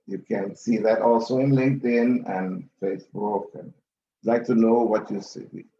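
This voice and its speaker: Low-voiced man on an echoey call. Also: mellow, a little hiss or hum. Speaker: panel speaker. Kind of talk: online panel presentation. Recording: dull roomy video-call audio.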